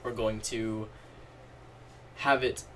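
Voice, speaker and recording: A man's voice: lowish voice, flat delivery, very slow, slight background noise. A man losing his voice a little, casually talking through a coding walkthrough, thinking aloud and correcting himself as he types. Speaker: programming tutorial host. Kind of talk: screen-recorded coding walkthrough. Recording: distant mic with loud keyboard clatter. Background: keyboard typing and mouse clicks.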